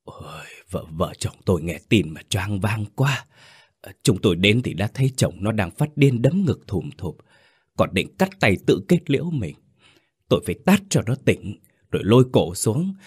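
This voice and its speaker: A man's voice: on the low side, darkish tone, husky, no room sound, studio quality, exaggerated voice. A man voicing an older father explaining in a stammering, half-whispered way, in a storybook reading.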